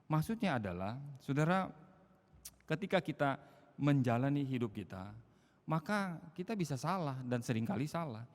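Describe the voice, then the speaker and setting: A man's voice: mid-range voice, big pitch swings, normal speed. Man preaching in a reverberant church hall. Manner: rhetorical questions, answered himself; swings from quiet to loud emphasis. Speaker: pastor. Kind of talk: sermon.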